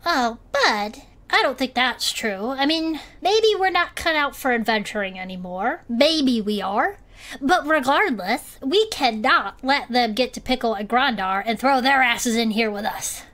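A woman's voice: fairly high pitch, animated, unhurried, a bit bright. A woman voicing an earnest clawed creature adventurer who teases her friend, in an audio drama. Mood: earnest, playful. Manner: earnest, playful teasing.

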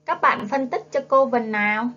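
A woman's voice: fairly high pitch, moderate pace, pushed and bright. A woman teaching young children to read, in a coaxing phonics lesson that urges them to repeat after her, with a Southern Vietnamese accent. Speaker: primary school teacher. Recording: dull lo-fi classroom video audio.

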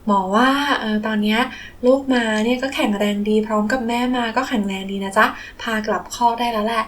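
A woman voicing a kindly veterinarian, gentle and reassuring, in a children's toy story. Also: fairly high pitch, fairly even intonation, fairly quick, pitched below the performer's own voice, lightly acted. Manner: gentle, soothing.

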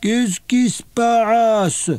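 A man voicing a stubborn, outspoken little girl in a children's audiobook, talking high and insistent. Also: big pitch swings, dark tone, no room sound. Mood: panicked. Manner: high, insistent, quick when arguing.

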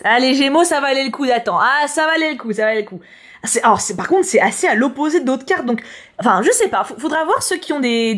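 A woman chatting casually as she reads tarot horoscopes, slangy and prone to repeating words. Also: a little high. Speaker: YouTuber reading tarot horoscopes. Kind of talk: casual chat.

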